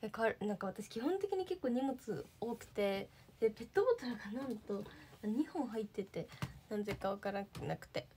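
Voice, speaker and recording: A woman's voice: fairly high pitch, sing-song, moderate pace, mellow, a little hiss or hum. A young woman from Japan, a livestreaming idol, chatting casually and thanking viewers as she reads their comments.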